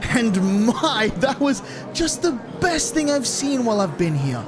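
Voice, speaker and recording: A woman's voice: on the high side, big pitch swings, a little slow, over music. A woman playing a chatty, effusive family acquaintance.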